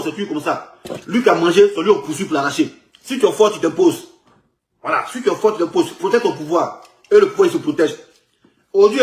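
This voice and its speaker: An Ivorian man speaks in a fairly high voice, with clear room echo around him. He argues in a casual street style, hammering phrases again and again in a mocking, emphatic manner, like someone in a heated political rant.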